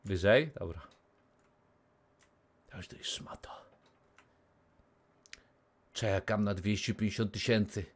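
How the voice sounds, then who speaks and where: A man in his thirties streaming a game from a small room on a headset mic, talking casually, cursing and yelling at the game, sometimes dropping to a whisper. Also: fairly low pitch, takes it slowly, pauses often. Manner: excitable, swears, yells at the game, then drops to a whisper. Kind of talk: casual live gameplay commentary.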